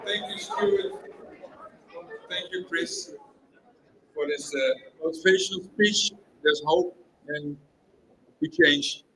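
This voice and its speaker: A man hosting an event on a theatre stage, introducing the next speaker in a hesitant way with many pauses and fillers. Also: fairly high pitch, wildly swooping pitch, bright, forceful tone, low-quality recording. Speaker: event host.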